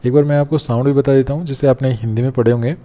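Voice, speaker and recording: A man teaching an English grammar lesson step by step, often pausing to check that students follow. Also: medium pitch, fairly even intonation, dark tone. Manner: explains step by step, often checks with "theek hai na". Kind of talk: classroom-style grammar lesson.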